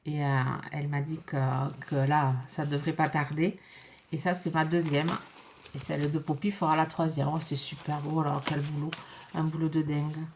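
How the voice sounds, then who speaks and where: Low-voiced French woman with a cold. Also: level tone, slight background noise. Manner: hesitant, many pauses and fillers. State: congested with a cold. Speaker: scrapbooking vlogger. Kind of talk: casual unboxing chat.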